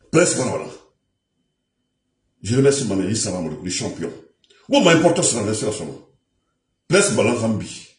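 Emphatic man with a lively, mellow voice. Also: mid-range voice, reverberant. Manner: emphatic, repetitive, mixing French and a local language. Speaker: commentator addressing communicators. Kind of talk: impassioned monologue.

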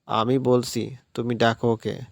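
A man doing stern rich old dad, bossy, irritated, gravelly. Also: medium pitch, level tone, measured pace, no room sound. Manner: commanding, irritated. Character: stern older rich father, house owner, bossy.

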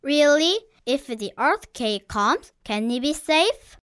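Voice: high-pitched, animated, slow pace, fairly bright tone, exaggerated voice. A performer playing an earnest, anxious little kindergarten child in a children's storybook audiobook. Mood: hopeful.

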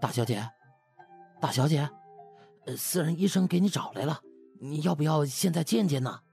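Guy doing a fawning butler in an audiobook, stammery, kinda husky, music underneath. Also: fairly high pitch, animated, moderate pace, a little mellow, exaggerated voice. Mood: coaxing, deferential. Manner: hesitant, stammering, ingratiating. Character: obliging, evasive male household butler, eager to please.

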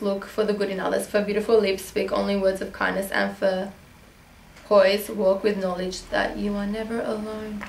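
Her mid-range voice echoes around a small bedroom in a low-quality recording as she rambles through a beauty vlog Q&A with lots of ums and restarts. She's a young adult woman from Australia whose first language is Armenian, chatting casually.

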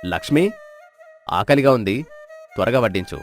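A man's voice: mid-range voice, expressive, moderate pace, lightly acted. A man playing a village headman in a dramatized moral story. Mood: domestic. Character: scheming village headman caught out, defiant then pleading. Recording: flute music behind the voice.

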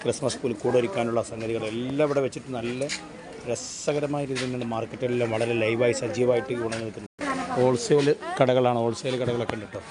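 A man's voice: mid-range voice, fairly even intonation, quick pace. A man with a Kerala accent gives casual, enthusiastic, repetitive walking vlog commentary, mixing English words into Malayalam. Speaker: vlogger. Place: crowded street market. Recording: busy outdoor market crowd noise.

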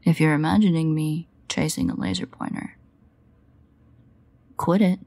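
A woman playing a sardonic, guarded but fond vampire in an intimate audio roleplay, wry and hesitant in manner, with a husky, gravelly voice. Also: deep voice, sing-song, measured pace, darkish tone, heavily acted. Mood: teasing.

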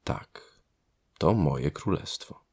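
A man voicing a gentle young male water elf, courteous and lyrical, in a storybook audio tale. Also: extremely low pitch, animated, drawn-out words, creaky, breathy edge, full character voice. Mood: calm.

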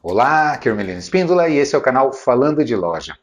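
A man's voice: medium pitch, big pitch swings, fast talker, faint music behind. A man hosting a retail sales lesson, talking conversationally and asking many rhetorical questions. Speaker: retail sales trainer, channel host.

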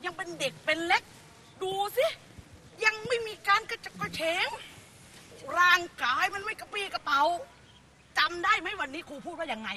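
A woman's voice: very high-pitched, expressive, normal speed, background noise. An actress playing a brash, bossy schoolteacher who scolds her pupils in a sitcom. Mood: scolding. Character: bossy loud female schoolteacher. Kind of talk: sitcom acting.

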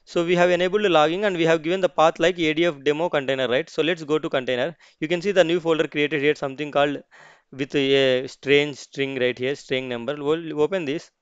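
A man hosting a screen-recorded software tutorial, explaining each step as he clicks, with frequent restarts and "okay, see" asides. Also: fairly high pitch, steady tone, a little fast, clear, resonant tone, no echo, highs cut off. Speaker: tutorial host.

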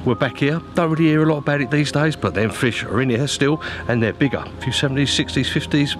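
A man's voice: medium pitch, fast, over music. A man chatting casually to viewers as an angler presenting a vlog, informal and matey, giving practical advice.

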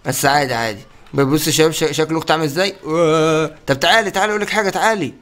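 A young man with an Egyptian accent giving excited let's-play commentary, often exclaiming and laughing. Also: a little high, rapid-fire. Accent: Egyptian Arabic. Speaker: gaming YouTuber.

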